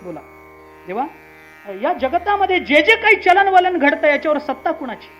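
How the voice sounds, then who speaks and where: A man voicing Subhadra, a grieving mother who reasons calmly and insistently about her son's death. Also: extremely high pitch, normal speed, pitched above the performer's own voice, heavily acted. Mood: composed. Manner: composed, reasoning, rising insistence. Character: Subhadra, a calm grieving mother of a fallen son. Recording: muffled with faint instrumental music.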